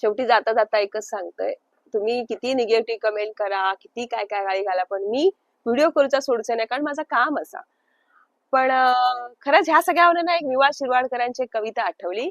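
A woman with a Konkan accent speaks at a high pitch with lively intonation. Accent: Malvani Konkan Marathi. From Konkan, Sindhudurg (Malvan region). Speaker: YouTuber on Malvani culture. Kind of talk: vlog monologue. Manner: animated.

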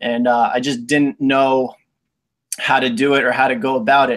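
Against a quiet background, a man talks at a moderate pace. His intonation stays fairly even. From New Jersey. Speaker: network marketer. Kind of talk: webinar presentation. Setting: video call. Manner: halting. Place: home room. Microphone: webcam.

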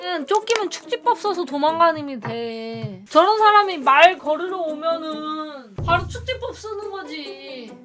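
In a Chungcheong accent, a woman speaks at a very slow pace with hardly any pauses, her extremely high voice lively in intonation and swinging widely in loudness, over noticeable background noise. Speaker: livestreamer. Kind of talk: casual livestream talk.

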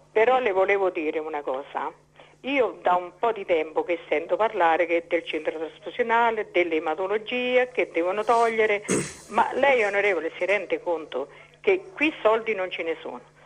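Lively intonation at a moderate pace, with noticeable background noise. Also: woman, medium pitch for a woman. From Italy, Frosinone. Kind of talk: phone-in complaint. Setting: phone call. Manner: animated.

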